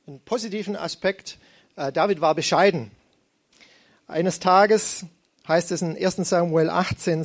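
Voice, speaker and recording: A middle-aged man preaching a sermon, retelling scripture in a conversational, storytelling manner. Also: high-pitched.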